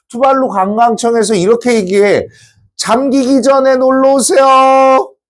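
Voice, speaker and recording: A man lectures a class in an informal, chatty way and often stops to tease his students. His voice sits a little high and moves through a wide, animated pitch range. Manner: chatty, teasing asides to students; lively, informal. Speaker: teacher.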